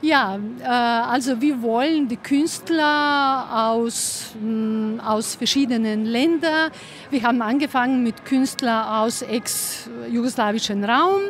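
A woman answers questions at an outdoor festival, pausing often and filling gaps. She speaks very slowly in a slightly high voice. Faint street noise sits behind her. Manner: hesitant, many fillers. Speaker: gallery founder. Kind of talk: interview answers. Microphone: handheld mic.

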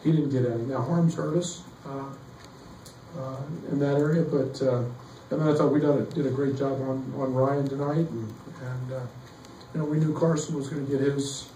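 A middle-aged man, a basketball coach, answering questions at a postgame press conference, halting with many fillers and restarts. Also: mid-range voice, steady tone, mellow. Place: press room behind a table. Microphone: table mic, heard from some distance. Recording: echoey room, distant mic, faint noise.

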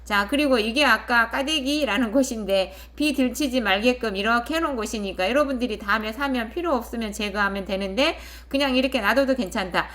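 Talking fairly quickly with hardly any pauses, this woman has a slightly high, somewhat bright voice. She hosts a rural real-estate channel and casually narrates a listing and its photos, frequently checking in with her viewers.

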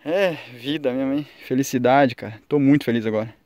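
A young man with a Brazilian Portuguese accent, out of breath, talking excitedly to viewers as he lands a fish on a riverbank. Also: mid-range voice, brisk, dry recording, rough recording. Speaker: fishing vlogger. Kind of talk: excited outdoor fishing commentary. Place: outdoors on a riverbank. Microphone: handheld camera mic.

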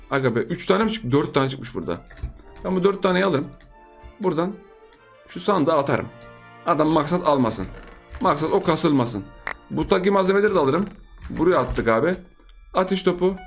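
Excitable man doing playful game commentary. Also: fairly high pitch. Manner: excitable, playful, teasing opponents; chants repeated words in a sing-song way. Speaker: gaming YouTuber. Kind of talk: live gameplay commentary.

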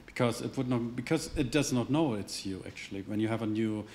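A man's voice: medium pitch, fairly quick, a little mellow. A man answering audience questions at a tech meetup, hesitant, with many restarts and hedges. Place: meetup venue, indoors, standing at a lectern.

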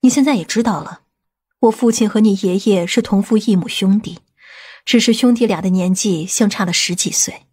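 Woman doing a middle-aged family aunt in an audiobook, composed, in charge, husky. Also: mid-range voice, moderate pace, darkish tone, close to an everyday voice. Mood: gentle, reflective. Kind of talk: audiobook drama dialogue.

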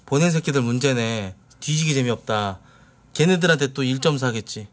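A man's voice: mid-range voice, moderate pace. A man in his thirties hosting a stream, giving casual reactions in a blunt, grumbling way. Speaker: streamer hosting a try-not-to-laugh challenge. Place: small indoor streaming room.

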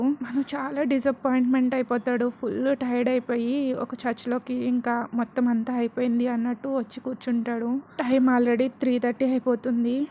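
A woman's voice: fairly high pitch, dark tone, slight background noise. A woman telling a romance story in a casual narrating style, mixing in English words.

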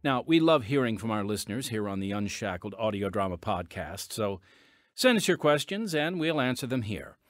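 A man hosting a Christian audio drama podcast, reading scripted announcements in an earnest, measured way. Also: medium pitch, dry recording, studio quality. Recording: music bed underneath.

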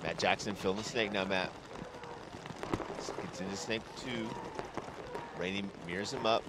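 A man giving measured, explanatory color commentary on a live match. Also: on the low side, very noisy. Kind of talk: live sports analysis. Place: outdoor paintball field.

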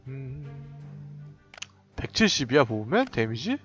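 A man giving excited, running commentary while playing a tower defense game, often laughing and reacting out loud. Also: medium pitch, takes it slowly, muffled recording, faint music behind. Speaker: game streamer. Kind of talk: live gameplay commentary.

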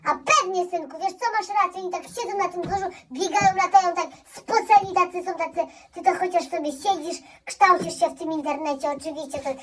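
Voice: very high-pitched, takes it slowly, pauses often, a bit bright, slight background noise, exaggerated voice. A performer playing a doting mother in a comedy sketch who apologizes and coos at her spoiled son. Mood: fawning. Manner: cooing, fawning, apologetic. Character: doting, fawning mother, apologetic and soft-spoken woman. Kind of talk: comedy sketch role-play.

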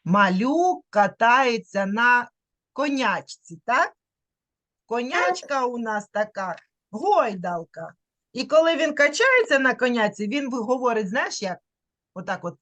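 A woman teaching a young child to read over a video call, her voice high and full of swooping, lively melody. She demonstrates each vowel by drawing it out, then nudges the child along with patient little questions. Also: a little slow. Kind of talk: online literacy lesson for a young child.

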